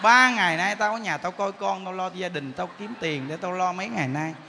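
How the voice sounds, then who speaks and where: A nagging wife, as a monk puts her on, scolds her husband with sharp sarcastic questions. The voice is high and bright. It rings through an echoey hall over faint background hum. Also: fairly quick, exaggerated voice. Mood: scolding.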